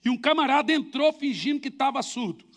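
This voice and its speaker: Delivering a sermon a little fast in a very high voice, a middle-aged Brazilian Portuguese-accented pastor brings his stories to life with sound effects and animated storytelling.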